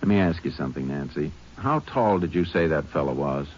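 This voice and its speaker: A dull vintage radio recording carries a low-voiced American Texas Ranger. He is calm and methodical, speaking with matter-of-fact restraint in old-time drama style. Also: a little hiss or hum. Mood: calm probing. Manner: measured, matter-of-fact questioning. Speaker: lead actor and narrator. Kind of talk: 1950s radio drama acting and narration.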